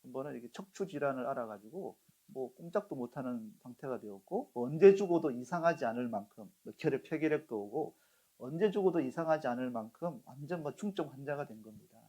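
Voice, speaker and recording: Husky-voiced Korean pastor preaching. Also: male voice, mid-range voice, lively intonation, a little fast, mellow. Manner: storytelling with acted quotes, asks the congregation questions. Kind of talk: sermon.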